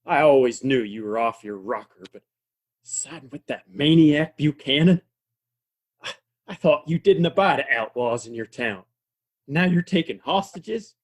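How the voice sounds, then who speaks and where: A man acting a gruff, stubborn saloon owner in a Western audio play, with a husky voice. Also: medium pitch, expressive, measured pace. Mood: indignant.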